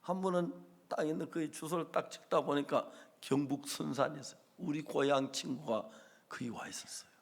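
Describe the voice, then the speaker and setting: A middle-aged man, preaching a sermon as a pastor and telling stories with acted-out dialogue and sudden loud bursts. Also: on the high side, normal speed, gravelly, husky.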